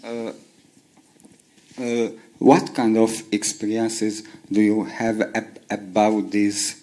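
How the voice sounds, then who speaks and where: Slow, hesitant man. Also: fairly low pitch, little pitch movement, a little mellow. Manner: hesitant, many fillers and restarts. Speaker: audience member asking a question. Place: conference audience seating. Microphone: handheld mic.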